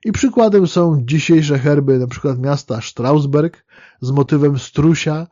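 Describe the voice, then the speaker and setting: In a measured, explanatory history lecture, a man often pauses on fillers, restarts phrases and corrects himself. His voice is fairly high yet dark and mellow. The recording is dry and a little muffled, with no room sound or echo.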